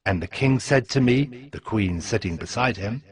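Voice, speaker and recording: A man's voice: mid-range voice, lively intonation, moderate pace, natural voice. A man playing a devout, grieving cupbearer who tells his own story in a solemn, earnest, reverent dramatized scripture reading. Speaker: narrator and lead character. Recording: music under the voice. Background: background music.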